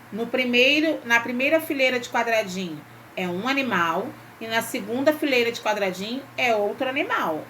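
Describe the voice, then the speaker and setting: Bright-voiced woman teaching a lesson. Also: on the high side, slight background noise. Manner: patient, checks in with "ok?" and "né?". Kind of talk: remote Portuguese lesson, reading a textbook exercise.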